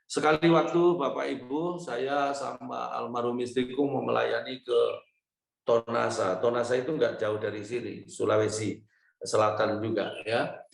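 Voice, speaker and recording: An older man preaching a sermon as pastor, telling stories in a lively way, quoting dialogue and chuckling often. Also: mid-range voice, moderate pace, creaky. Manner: animated storytelling with quoted dialogue and chuckles. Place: church or online service hall. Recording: echoey room.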